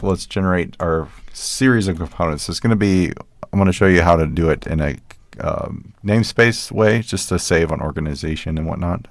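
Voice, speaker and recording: Low-voiced man talking through code casually. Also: no room sound. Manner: casual, thinks aloud while typing code. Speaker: programming tutorial host. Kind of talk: screen-recorded coding tutorial.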